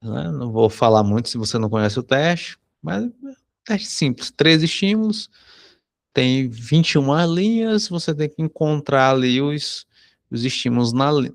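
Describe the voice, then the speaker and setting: A Brazilian man, a psychology teacher, telling a personal anecdote in a conversational lesson, often tagging sentences with a quick question. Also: medium pitch. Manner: conversational, frequent tag questions. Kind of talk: anecdote told in a recorded lesson.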